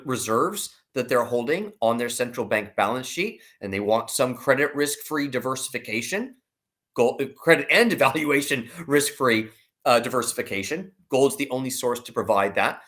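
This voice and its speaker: A man with a mid-pitched, very lively voice gives expert commentary as a guest analyst. He explains in a conversational but emphatic way, putting rhetorical questions as he goes. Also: normal speed.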